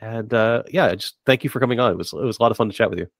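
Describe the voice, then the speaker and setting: A man's voice: lowish voice, very fast, gravelly, no room sound, studio quality. A man hosting a podcast, interviewing in a casual, conversational way. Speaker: podcast host.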